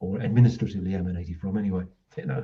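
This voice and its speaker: Speaking at a very fast pace, a man sounds somewhat breathy. His tone is dark and mellow. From southern England (Hastings, Sussex). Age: 60s. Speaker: spiritual order member. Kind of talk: casual interview chat.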